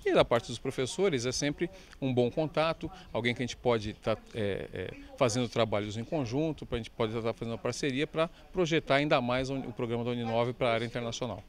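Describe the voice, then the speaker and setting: A middle-aged Brazilian professor talks quickly into a handheld microphone. His pitch sits mid-range, and he stumbles now and then over filler sounds. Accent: Brazilian Portuguese. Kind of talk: on-camera interview. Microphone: handheld reporter mic.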